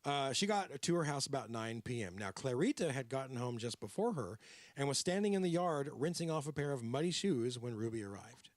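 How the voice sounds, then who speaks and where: A man's voice: mid-range voice, a little fast, no room sound. A man hosting a podcast, telling a true-crime story and slipping into character voices. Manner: animated, drops into character voices. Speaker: podcast host.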